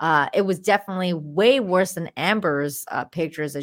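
On a very clean recording with a silent background, a woman with an ordinary speaking voice speaks at a moderate pace, her fairly low pitch carried by lively intonation. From Iran, then Canada from age ten. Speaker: YouTuber and commentator. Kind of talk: casual chat.

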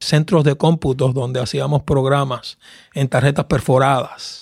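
Recorded very clean with a silent background and a dry, close sound without echo, a man speaks at a fairly slow pace. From Puerto Rico, Caguas. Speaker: pastor and seminary dean. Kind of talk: casual chat. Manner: halting.

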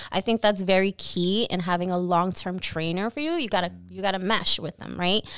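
The woman has an American accent, a normal speaking voice and a medium pitch, with ordinary pitch variation. She moves at a fairly quick pace with hardly any pauses, on a very clean recording with a silent background. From Queens, New York. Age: 30s. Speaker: personal trainer. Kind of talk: casual chat.

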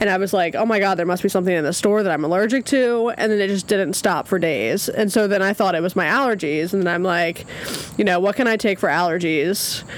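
A woman of medium pitch talks at a very fast pace with ordinary pitch variation and very even loudness. Noticeable background noise is present. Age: 30s. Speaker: podcast co-host. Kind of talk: casual chat. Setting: outdoors.

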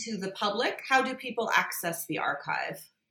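A bright, sharp tone comes with ordinary pitch variation. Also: woman. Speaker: oral history interviewer. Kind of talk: oral history interview. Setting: video call.

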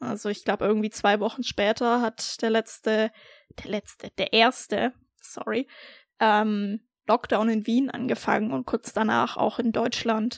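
The sound is dry and close, with no echo. A woman speaks at a fairly slow pace with fairly even intonation. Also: fairly high pitch for a woman. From Baden-Württemberg, Germany. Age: 20s. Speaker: bodybuilding podcaster. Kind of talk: casual monologue.

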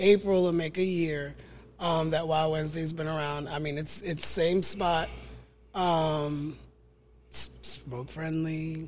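With an American accent, a woman speaks very slowly in a very deep, low pitch and monotone, flat intonation, with audible room echo around her. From New York (Brooklyn). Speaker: spoken word artist and DJ. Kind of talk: casual chat.

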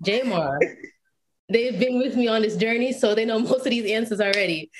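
With ordinary pitch variation and a fairly high pitch, a woman uses an ordinary speaking voice. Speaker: UX UI design student and photographer. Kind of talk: casual chat.

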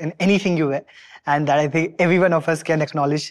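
Over a silent background in a very clean recording, a man talks at a very fast pace with a fairly high pitch. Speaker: podcast host. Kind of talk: interview.

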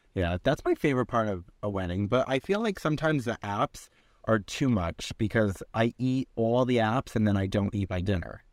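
In a very clean recording with a silent background and a dry, close sound with no echo, a man talks at a moderate pace and medium pitch with ordinary pitch variation, an ordinary speaking voice. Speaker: podcast host. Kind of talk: casual chat. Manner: casual, chatty.

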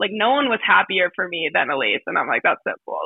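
A woman is talking. She goes at a fairly quick pace. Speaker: professional runner. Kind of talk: casual interview. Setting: phone call.

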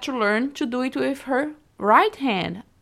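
With a Brazilian accent, a woman speaks at a fairly slow pace in a high, bright, sharp voice with lively intonation, in a very clean recording with a silent background. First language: Portuguese. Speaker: PhD student, host's wife. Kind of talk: casual chat.

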